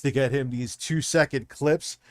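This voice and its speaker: Man, livestream host, mid pitch, rambling, profane, casual, dry close mic. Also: fairly even intonation, a little slow, no echo. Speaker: streamer and show host.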